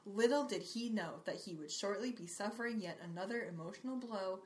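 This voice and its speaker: A woman's voice: mid-range voice, brisk, a little mellow, slight background noise, close to an everyday voice. A woman voicing a gossipy, sensational female tabloid reporter, reading a magazine article aloud with mock-serious melodrama. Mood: mock-dramatic.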